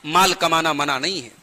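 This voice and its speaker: A man's voice: on the high side, bright, forceful tone. A man preaching a sermon, earnest and pleading, with rhythmic repetition and rising emphasis. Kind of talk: sermon to a gathering. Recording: long hall reverb.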